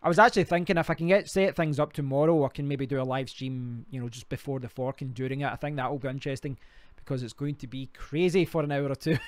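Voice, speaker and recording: A man's voice: mid-range voice, fairly even intonation, fast talker, few pauses, no room sound. A Scottish man hosting a casual live stream, rambling and talking to himself while clicking through sites. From Scotland. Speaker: crypto livestream host.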